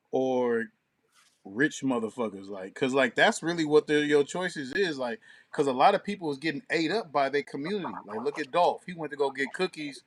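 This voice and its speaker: A man with a somewhat high-pitched voice talks casually as a show co-host. He is opinionated and emphatic, leaning on street slang and swearing freely.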